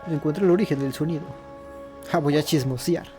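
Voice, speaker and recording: A man's voice: a little high, fast talker. A man hosting a gaming video, casually commenting and reading game text aloud. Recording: loud game music behind the voice.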